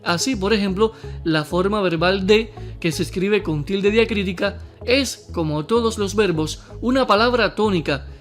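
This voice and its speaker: High-voiced man teaching a spelling lesson. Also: soft background music. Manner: clear, deliberate, addresses the viewer directly, slows to spell out example words.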